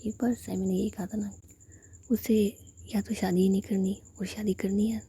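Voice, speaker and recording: A chatty younger sister, whispered by a woman storyteller, gossips in a very breathy hush. Her tone is dark and mellow. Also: medium pitch, level tone, moderate pace. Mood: gossipy.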